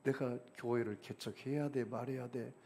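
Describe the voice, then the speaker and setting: A middle-aged man preaching a sermon as senior pastor, emphatic, with big swings in pitch and volume, leading the congregation in call-and-response. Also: fairly even intonation, normal speed, warm tone, slight background noise.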